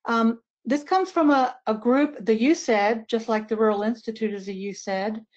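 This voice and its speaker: A middle-aged woman presenting a webinar, chatty and friendly, dropping casual asides as she goes. Her voice sits a little high. The audio is dull and lo-fi. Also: normal speed, darkish tone. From West Virginia, raised in Ohio. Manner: friendly, conversational, with asides and fillers.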